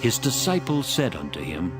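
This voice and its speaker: Casting: man to narrate dramatized scripture, lowish voice, very varied intonation, over music. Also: wildly swooping pitch, moderate pace. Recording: music behind the voice. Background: background music.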